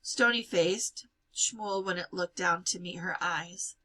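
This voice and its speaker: A woman reading a novel aloud in an expressive storybook style, giving life to the dialogue. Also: lowish voice, slow, poor audio.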